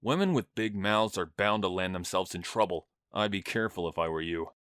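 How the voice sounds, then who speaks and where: A man's voice: low voice, animated, a little fast, fairly bright tone, smooth. Man acting a menacing, confrontational boyfriend. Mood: threatening. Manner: confrontational, threatening. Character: menacing, possessive tall boyfriend, easily riled. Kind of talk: audio drama voice acting.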